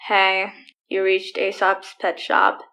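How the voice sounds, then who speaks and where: A woman playing an indifferent, drawling young pet shop keeper in a comic audio drama, with a deadpan manner. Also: medium pitch, takes it slowly, vocal fry, heavily acted, rough recording. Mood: bored.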